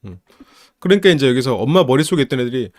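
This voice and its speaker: A man hosting a psychology channel, casually analyzing a film, lively and laughing often as he acts out characters' lines. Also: mid-range voice, racing, no room sound, clean studio sound.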